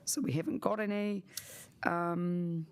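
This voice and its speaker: Woman chair, low and gravelly, raspy from a sore throat, stop-start. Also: fairly even intonation, slow, a little mellow. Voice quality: raspy, slightly husky voice. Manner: hesitant, stop-start, with apologies and fillers. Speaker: committee chair. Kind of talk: chairing a council meeting.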